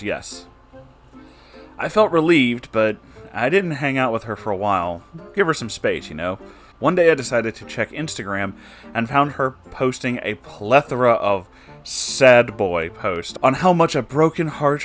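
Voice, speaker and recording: Expressive man reading stories over music. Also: medium pitch. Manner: expressive, jokey, casually sweary. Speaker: host reading submitted stories aloud. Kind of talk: story narration with casual asides.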